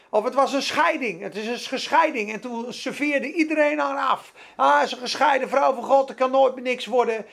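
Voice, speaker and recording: A man's voice: very high-pitched, creaky. A man preaching a sermon, telling stories animatedly and repeating phrases for emphasis. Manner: animated storytelling, acts out quoted voices; repetitive, emphatic.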